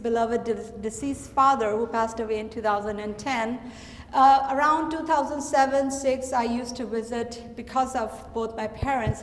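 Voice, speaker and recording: Middle-aged Pakistani-accented woman artist, reflective, many fillers, rather high voice, long hall reverb. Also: slight background noise. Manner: reflective, halting with frequent fillers. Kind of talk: gallery talk. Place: gallery hall. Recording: echoey gallery hall.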